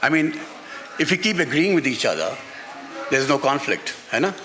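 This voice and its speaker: A Pakistani-accented man speaking off the cuff as an author at a book talk, halting and repeating phrases for emphasis. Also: medium pitch, sing-song, bright, forceful tone. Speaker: author and playwright being interviewed. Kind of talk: unscripted talk on stage at a book event. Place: festival stage before an audience. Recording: hall reverb, faint background noise.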